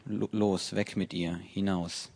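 A man's voice: sits low, level tone, takes it slowly, creaky, darkish tone, exaggerated voice. A man reading the lines of a demanding young prince in a Bible passage, curt and plain. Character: young prince, scheming and then harsh, male.

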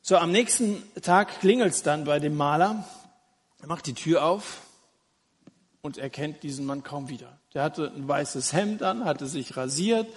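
A man's voice: on the high side, expressive, unhurried, slightly rough, long reverb tail. A man preaching an evangelistic sermon, earnest and inviting, talking straight to his listeners.

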